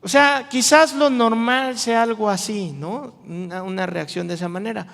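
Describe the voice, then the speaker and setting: Male pastor, high voice, animated and jokey, with long reverb from a large hall. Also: moderate pace, vocal fry. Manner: animated, jokey, playful asides to the crowd. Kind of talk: lively youth sermon with acted-out voices.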